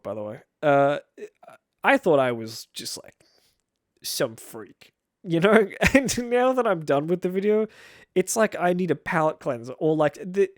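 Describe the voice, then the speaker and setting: A man's voice: fairly high pitch, dry recording, clean studio sound. A young man talking to the camera in a casual, rambling way, wry and full of self-interruptions. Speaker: video creator. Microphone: camera-facing mic.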